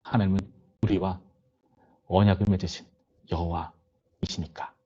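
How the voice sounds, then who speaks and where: A man's voice: low voice, steady tone, normal speed, warm tone, muffled recording. A young man, a youth pastor, giving a conversational sermon to teenagers and voicing their complaints and questions. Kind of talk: sermon to teenagers over video call.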